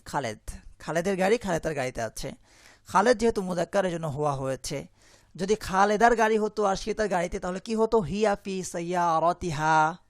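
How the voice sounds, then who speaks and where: A man teaching an Arabic lesson in Bengali, reading each phrase slowly, translating it, and asking questions he then answers himself. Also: high-pitched, no room sound, studio quality. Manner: asks the class questions and answers them himself. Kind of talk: explaining a language lesson.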